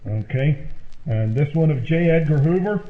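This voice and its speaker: A man's voice: on the high side, expressive, normal speed. A man performing an old-time radio comedy sketch, explaining earnestly and with indignation. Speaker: comedy show host performer. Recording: narrow tinny, roomy, faintly noisy radio sound.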